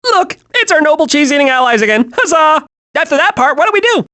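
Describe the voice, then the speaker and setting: A hyperactive little cartoon squirrel, pitched very high. The delivery swoops up and down with naive, childlike glee, made for an animated video game. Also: quick pace, heavily acted. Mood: cheerful, curious. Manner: excitable, childlike, gleeful exclamations.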